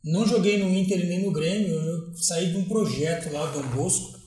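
A man in his forties with a Gaúcho accent, speaking earnestly and reflectively. His voice sits a little high for a man. It rings through a very echoey room and sounds picked up from some distance. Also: moderate pace, dark tone, faint music behind. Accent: Gaúcho Brazilian Portuguese. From Porto Alegre, southern Brazil. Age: 40s. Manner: reflective, earnest, with many restarts. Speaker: guest, former footballer. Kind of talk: relaxed interview storytelling. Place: small studio with green set. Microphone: lapel mic. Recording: very echoey room, voice heard from afar.

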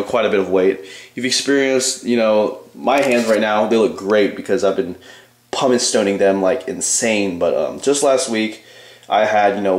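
Male vlogger, twenties, lowish voice, offhand and informal, casual rambling delivery, echoey small bathroom sound. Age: 20s. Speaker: bodybuilding vlogger. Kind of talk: casual rambling vlog to viewers. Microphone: handheld camcorder at arm's length.

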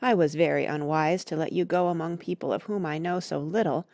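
A woman voicing a grave, gentle mother giving measured advice to her daughter in a storybook reading. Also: deep voice, dry recording.

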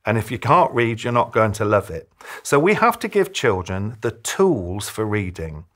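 A man in his fifties giving advice to camera as a children's author, speaking emphatically like a storyteller, with deliberate pauses. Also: on the low side, big pitch swings, fairly bright tone. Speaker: children's author giving reading tips to parents. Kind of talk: direct-to-camera advice talk, presentational. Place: small furnished room, indoors.

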